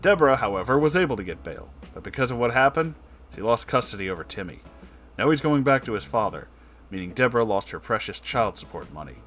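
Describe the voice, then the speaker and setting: A man's voice: mid-range voice, animated, fast, fairly bright tone. Emphatic male storyteller over background music. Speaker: story narrator and channel host. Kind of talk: dramatic comedic story reading.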